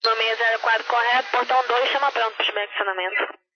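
A man with a Brazilian accent giving procedural, clipped clearances as an air traffic controller over radio. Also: extremely high pitch, steady tone, fast talker, pushed and bright. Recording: muffled air traffic radio, faint noise.

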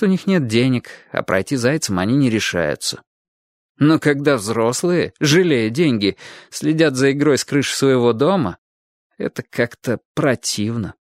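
A man narrating a literary story with expressive, lively storytelling. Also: medium pitch, no room sound, clean studio sound. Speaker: audiobook narrator.

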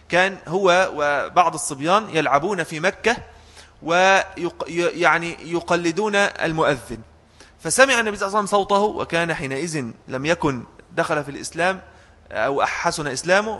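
Male religious teacher, slightly high voice, switching between formal and colloquial speech, recorded with long hall reverb. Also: a bit bright. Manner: mixes formal Arabic with colloquial asides, demonstrates chanted phrases. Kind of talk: classroom fiqh lesson.

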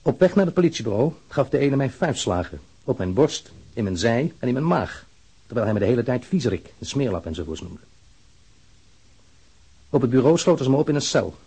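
Wronged engineer reading his complaint letter, formal n measured, husky mellow voice, radio drama. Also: mid-range voice, big pitch swings, full character voice. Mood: formal, aggrieved.

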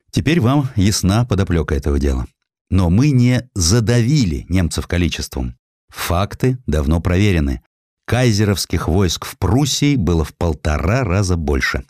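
A man reading a scripted historical narrative in an expressive, emphatic storytelling manner. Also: sits low, no room sound, clean studio sound. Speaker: audiobook narrator.

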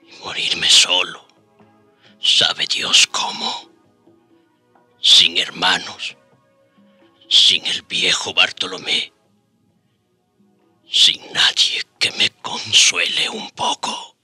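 A man's voice: low voice, flat delivery, very slow, pauses often, sharp tone, breathy edge, dry recording, exaggerated voice. An actor playing a weary, humble old Indigenous prisoner, telling his story in a dramatic, reflective radio drama style. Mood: forlorn. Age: older. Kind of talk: radio drama acting and narration. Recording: radio drama with faint background music.

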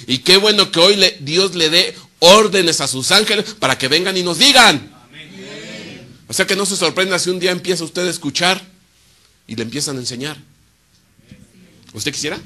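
Guy preaching, kinda high pitched, asks questions and answers himself, drops real quiet sometimes. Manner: swings between loud emphasis and quiet, low asides. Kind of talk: sermon.

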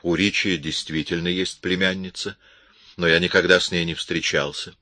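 A man voicing a cool, composed man who speaks calmly and persuasively. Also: deep voice, moderate pace, dry recording. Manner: calm, persuasive. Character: cool composed man, calm under pressure.

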